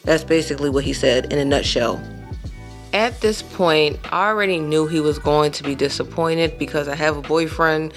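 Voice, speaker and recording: A woman in her thirties hosting a podcast, telling a personal story in a casual, animated way with emphatic asides to her listeners. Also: low voice, moderate pace, soft background music. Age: 30s. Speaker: podcast host.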